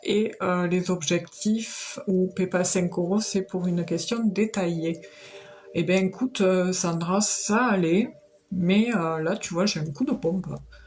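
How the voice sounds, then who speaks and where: Speaking very slowly, a woman has a medium pitch and a regional French accent. Noticeable background noise can be heard. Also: ordinary pitch variation. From southern France. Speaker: psychic reader. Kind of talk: live stream chat. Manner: hesitant, many fillers.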